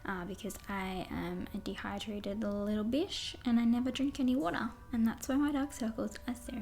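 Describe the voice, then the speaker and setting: A woman in her twenties with a husky voice, chatting casually and rambling cheerfully as a beauty vlogger in a small white room at home. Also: on the high side, fairly even intonation, normal speed, a little mellow, echoey room. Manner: bubbly, rambling, self-mocking with laughs. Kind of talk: casual chatty makeup tutorial.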